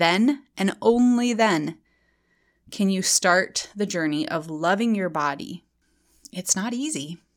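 Very slow speech with long, frequent pauses, on a very clean recording with a silent background. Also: woman, medium pitch for a woman, lively intonation. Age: 40s. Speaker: podcast host. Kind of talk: solo podcast monologue. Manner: casual, with hesitations and laughs.

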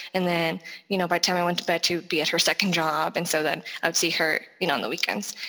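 With a Chicago accent, a woman talks at a very fast pace in a fairly low voice, her intonation monotone and flat and her loudness very even. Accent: Chicago American English. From Chicago, US (Ecuadorian family). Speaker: public health nurse and ministry leader. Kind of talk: presentation.

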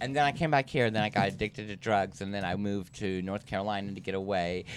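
Speaking very fast, a man's voice sits fairly low in pitch. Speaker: podcast and radio host. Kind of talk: casual chat. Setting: outdoors in a park.

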